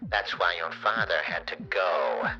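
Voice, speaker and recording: Give me a man doing a gloating villain in a disguised voice, sharp and tense, with a lively pitch. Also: a little slow, faint music behind, exaggerated voice. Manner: smug, mocking and grandiose. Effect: disguised voice on a phone call. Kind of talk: reading a story game aloud with voices.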